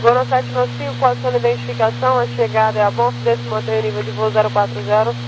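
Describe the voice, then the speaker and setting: A woman's voice: on the high side, flat delivery, quick pace. A Brazilian woman working as an air traffic controller, giving clipped instructions over a radio transmission. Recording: muffled, noisy aviation radio with hum.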